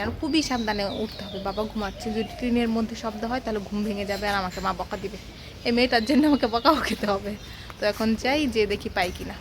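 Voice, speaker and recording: A young woman chatting her way through a home vlog in a casual style, now and then hushing her voice to a near-whisper. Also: a little high. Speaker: vlogger. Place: family home. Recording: noisy home video with background noise.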